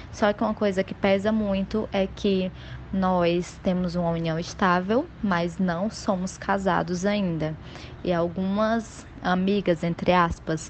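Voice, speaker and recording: The pace is fairly slow, with monotone, flat intonation. The voice sounds somewhat breathy. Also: woman. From Fortaleza, northeast Brazil. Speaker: listener. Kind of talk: voice message.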